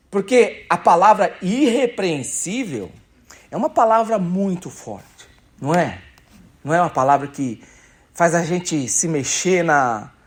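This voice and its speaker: Man preaching with lively pitch. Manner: conversational, emphatic preaching with rhetorical questions. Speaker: pastor. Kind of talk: sermon. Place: church.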